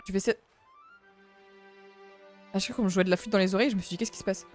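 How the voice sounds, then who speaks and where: A streamer in her twenties rambles casually to her viewers while playing a game, talking to chat as she goes. Her voice is medium-pitched with fairly even intonation and a quick pace, and faint game music plays in the background.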